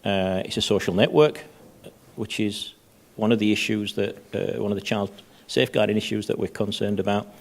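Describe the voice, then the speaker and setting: A man speaking on a conference panel as a head of safety, halting and often repeating words. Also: lowish voice, vocal fry. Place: conference stage.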